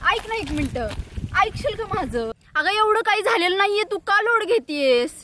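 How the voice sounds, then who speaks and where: A young elder sister with a Marathi accent, played by a woman. Her high voice keeps pleading and coaxing in soft tones. A faint noise sits under the line. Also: animated, moderate pace.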